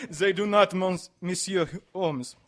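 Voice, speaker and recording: An actor playing a courteous, grave Foreign Legion colonel in a mystery drama, formal and deliberate, with a French accent. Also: male voice, sits high. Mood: grave, warning. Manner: deliberate, formal, halting on some words. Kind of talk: radio-style mystery drama acting.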